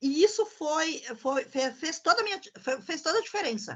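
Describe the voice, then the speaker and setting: Her pitch high and swinging very widely, a woman speaks at a moderate pace in a German accent. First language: German (speaking Portuguese). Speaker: student teacher. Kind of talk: academic presentation. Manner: halting, with many repetitions.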